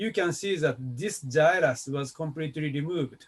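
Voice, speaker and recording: A man with a Japanese accent, lively intonation, and a moderate pace. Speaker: neurosurgeon. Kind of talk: lecture. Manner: halting.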